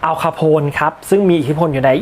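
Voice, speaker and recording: A man's voice: a little high, quick pace, a little hiss or hum. Thai man narrating a history lesson. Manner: relaxed, polite, with small slips and fillers. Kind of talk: informal history lecture.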